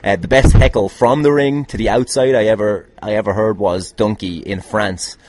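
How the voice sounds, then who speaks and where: A man's voice: fairly low pitch, steady tone, moderate pace, darkish tone, no echo. A man with an Irish accent telling casual, rambling anecdotes as a podcast host, jokey, sweary and self-deprecating. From Ireland. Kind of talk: casual rambling anecdotes answering fan questions.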